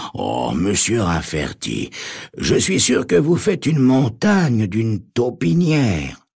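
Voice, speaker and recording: Using a put-on character voice, a man speaks at a medium pitch and a fairly slow pace. His pitch swings very widely. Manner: ingratiating, oily.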